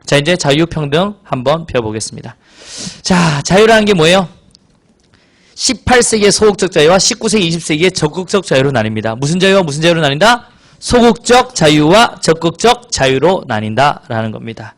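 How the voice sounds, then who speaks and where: Male lecturer, high, very animated delivery, classroom banter. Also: fairly quick. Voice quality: hoarse from excitement. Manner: lively, teasing students, acts out scenes in quoted voices. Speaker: civil service exam social studies lecturer. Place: lecture room with students.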